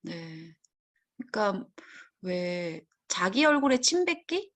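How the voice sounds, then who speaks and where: A woman co-hosting a psychology talk show, speaking in a thoughtful, gently reflective way. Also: medium pitch, very animated, slow. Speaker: podcast co-host. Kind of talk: casual explanatory chat.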